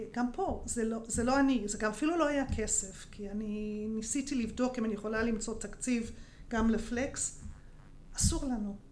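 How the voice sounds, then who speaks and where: Speaking with a South African accent, a woman with a fairly high voice talks at a moderate pace with ordinary pitch variation amid audible room echo. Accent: South African English accent in Hebrew. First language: English (speaking Hebrew). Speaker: company CEO. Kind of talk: interview.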